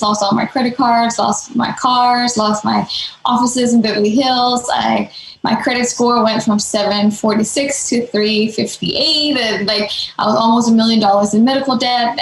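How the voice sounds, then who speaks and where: A woman's voice: on the high side, creaky, slight background noise. A woman, telling her story as a podcast guest in a casual way, with lots of "um" and "like". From Denmark. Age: late 20s. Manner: fluent, many fillers like "um" and "like". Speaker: guest, nonprofit founder. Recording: echoey room.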